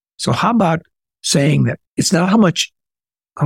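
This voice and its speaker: A man with an American accent speaks at a moderate pace, sounding somewhat breathy. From US Midwest, small town in Indiana. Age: 70s. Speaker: investment manager. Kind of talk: interview conversation. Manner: halting, with repetitions and fillers.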